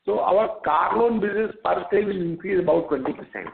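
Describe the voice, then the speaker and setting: A man with an Indian accent and a fairly high-pitched voice speaks over a narrow, tinny phone line. He sounds like an executive answering questions unscripted. His delivery halts and repeats words as he goes. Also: lively intonation, a little fast, creaky. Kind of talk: unscripted earnings call answers.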